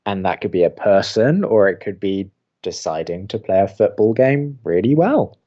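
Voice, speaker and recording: Skeptical young radio co-host, dry, hesitant, with lively intonation; audio drama, slightly dull recording. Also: male voice, fairly low pitch, moderate pace. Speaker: college radio co-host character.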